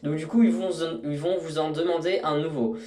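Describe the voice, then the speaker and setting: A man's voice: a little high, steady tone, brisk, a little mellow. A young man walking through a screen tutorial in a casual, rambling way, full of fillers and restarts. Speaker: YouTuber. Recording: echoey room, mic at a distance.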